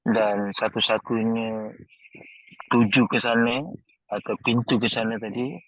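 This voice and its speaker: A man's voice: fairly low pitch, level tone, measured pace, fairly bright tone. A man with a Malaysian Malay accent, a participant addressing his teacher with a flowery, reflective question that is full of Arabic terms and hesitant "eh" fillers. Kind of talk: reflective question in a study session. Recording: tinny phone-line sound, very dry.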